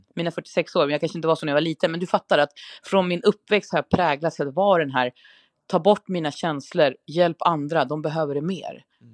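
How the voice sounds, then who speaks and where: A plain, everyday voice talks at a fairly quick pace with fairly even intonation and big swings in loudness. The sound is dry and close with no echo, over a quiet background. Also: man, fairly high pitch for a man. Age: 40s. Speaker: podcast co-host. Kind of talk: casual chat.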